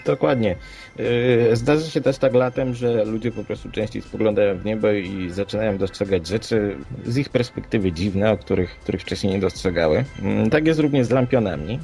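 Male podcast co-host, gravelly creak, sceptical explainer, music in the background. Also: fairly low pitch, moderate pace, dark tone. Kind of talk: unscripted paranormal news discussion.

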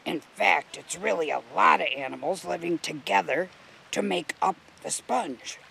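Man as creaky, grumbly old-river mussel. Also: fairly high pitch, unhurried, pushed and bright, a little hiss or hum, exaggerated voice. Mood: explaining. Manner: emphatic, explanatory. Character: grumbly, knowledgeable male river mussel, nostalgic. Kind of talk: children's storybook dialogue.

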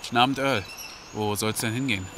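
A man's voice: lowish voice, fast talker, noisy background, lightly acted. An actor playing a weary, troubled man, subdued and thoughtful, in a German audio drama. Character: weary, troubled man confiding in his neighbour.

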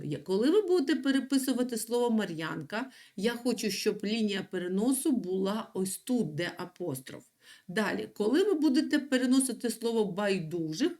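Patient woman teacher with lively intonation. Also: medium pitch. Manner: clear, patient, emphatic teacher explaining to children. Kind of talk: recorded online school lesson.

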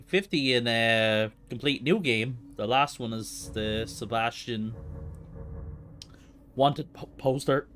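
A man's voice: medium pitch, fairly bright tone, slight background noise. A man hosting a gaming livestream in casual, slangy, informal chat. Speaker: livestream host, speedrunner.

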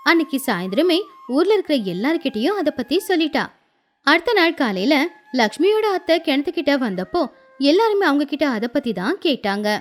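High-voiced woman narrating a bedtime story. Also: big pitch swings, a little fast, faint music behind.

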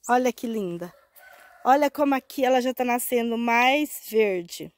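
A woman in her fifties from Brazil, slightly hoarse from a cold, talks into a clip-on mic in a shaded plant nursery. Her voice sits high for a woman. She chats in an affectionate, informal way, with plenty of tag questions and diminutives. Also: expressive, a little slow, no room sound. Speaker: succulent grower. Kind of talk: casual plant-care vlog. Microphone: wired lapel mic.

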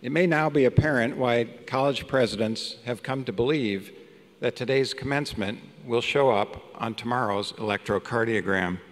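A man's voice: medium pitch, fairly bright tone. Older man, wry podium remarks, voice ringing through an arena. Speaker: college president. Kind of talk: ceremonial address. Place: large indoor arena stage. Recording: long arena reverb.

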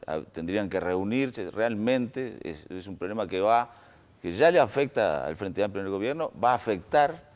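A Uruguayan man with a very low voice that still rises and falls a lot as he weighs his points. He talks in a measured panel style, pausing on fillers as he thinks. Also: a little mellow. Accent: Uruguayan Spanish. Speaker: political analyst. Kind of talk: panel discussion.

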